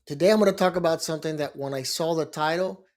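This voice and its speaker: A middle-aged bankruptcy lawyer from Miami, Florida, who also hosts a blog, talks casually and fast in a voice on the high side. His monologue rambles, full of asides and restarts.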